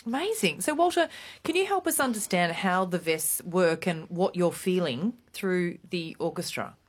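A woman's voice: lowish voice, animated, normal speed, dry recording. Effusive woman co-host. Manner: effusive, gushing praise.

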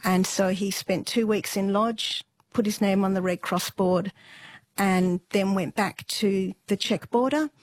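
Middle-aged woman, unhurried storytelling, soft laughs, fillers, dry close mic. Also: mid-range voice, no room sound. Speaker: interview guest. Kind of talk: relaxed storytelling interview.

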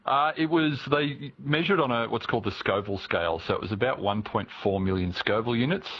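A man, a giant pumpkin grower, explaining his growing in an easygoing, relaxed way. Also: mid-range voice, fairly quick, breathy edge, highs cut off.

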